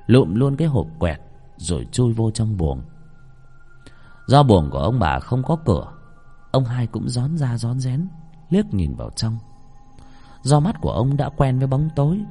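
Một người đàn ông giọng miền Nam kể chuyện đầy biểu cảm và kịch tính. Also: male voice, mid-range voice. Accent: Southern Vietnamese. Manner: expressive, dramatic. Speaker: storyteller. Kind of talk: storytelling narration.

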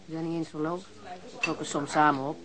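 A woman's voice: sits low, fairly even intonation, brisk, a crowd in the background, lightly acted, rough recording. An actress playing a brash, distrustful woman from the criminal fringe in a radio crime drama, curt, coarse and defiant. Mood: guarded, snappy.

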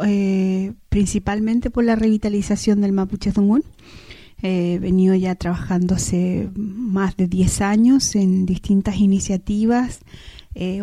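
A woman from southern Chile with a Chilean accent, a native Mapudungun speaker, giving a measured, thoughtful spoken message as a language activist, pausing often with "eh". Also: mid-range voice, mellow, dry recording. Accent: Chilean Spanish. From Temuco, southern Chile. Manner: measured, thoughtful, frequent "eh" hesitations.

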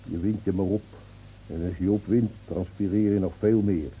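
An actor playing a placid, wry, world-weary village gendarme reasoning soothingly in a radio play. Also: male voice, low-pitched, steady tone, moderate pace, mellow, a little hiss or hum, natural voice. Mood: calm, chiding. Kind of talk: Dutch radio play acting. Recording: dull, muffled old radio recording.

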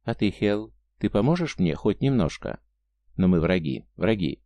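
A man voicing a torn, stubborn young mountain man who mutters his lines low and hushed. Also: sing-song, normal speed, no room sound. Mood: troubled.

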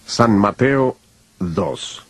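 Low-voiced, expressive male Bible narrator. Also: faint music behind. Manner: solemn, measured storytelling. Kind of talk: scripted scripture narration.

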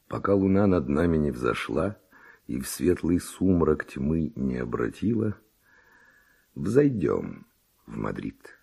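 A brazen, impulsive Spanish seducer in a theatrical radio drama. The voice is very low, husky and dark, and it swings expressively through unhurried verse. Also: male voice, sing-song, heavily acted. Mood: intrigued, scheming.

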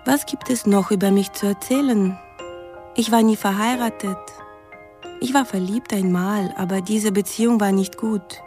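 A woman's voice: medium pitch, steady tone, normal speed, warm tone, lightly acted. Earnest young woman played by an actress, over music. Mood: hopeful, pleading. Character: earnest young Russian woman writing lovelorn emails. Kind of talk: radio drama, reading out letters.

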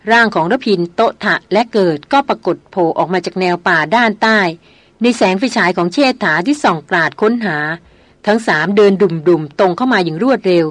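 A woman reads a novel aloud for an audiobook, with steady and clear storytelling. Her pitch sits in the middle range. The sound is close and dry, with no room echo. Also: brisk. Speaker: audiobook narrator.

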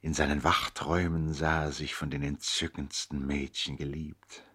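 An actor playing a nobleman who recounts his brother's life as narrator of a 1960s radio play, in an expressive, deliberate literary manner. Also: very deep voice, slightly rough, heavily acted. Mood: reflective, narrating.

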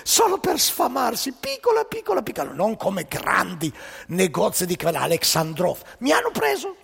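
A man's voice: high voice, wildly swooping pitch, normal speed, creaky, a bit bright, slightly rough, in a large hall, heavily acted. A man voicing a proud, poor Jewish man who joins the Soviet party, speaking broken Italian without articles.

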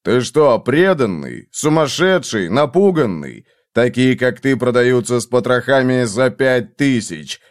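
A man voicing a brutal vengeful man who interrogates in a harsh, slow, menacing way. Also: medium pitch, sing-song.

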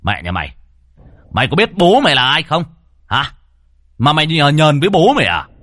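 A man voicing a hot-tempered male ghost exorcist who curses and shouts. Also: fairly high pitch, huge pitch swings, quick pace, no room sound, studio quality, voice pushed up, heavily acted. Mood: furious. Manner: cursing, furious shouting.

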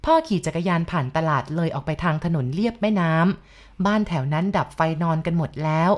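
A woman with a somewhat low voice reads a spooky tale aloud. She keeps a calm, even storytelling pace throughout. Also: brisk. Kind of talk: scripted narration of a ghost story.

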